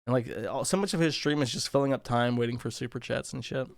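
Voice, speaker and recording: A man's voice: mid-range voice, fast, gravelly, no room sound, studio quality. A man in casual conversation, telling a long, profane, rambling story. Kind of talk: casual chat.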